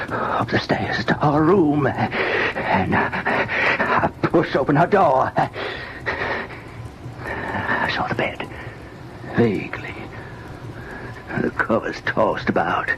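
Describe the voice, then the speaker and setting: Haunted, jealous husband, radio ghost drama: slow, halting, wildly swinging pitch, from hushed to frantic. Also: male voice, gravelly, full character voice. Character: tormented, jealous husband confessing a murder, haunted and possessed. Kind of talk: old-time radio dramatic monologue, ghost story. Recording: noisy, dull old-time radio recording.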